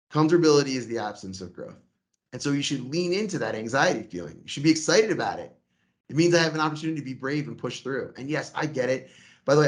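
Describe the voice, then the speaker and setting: A man leading a sales training, coaching his team with energy and acting out sample phone calls. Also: mid-range voice.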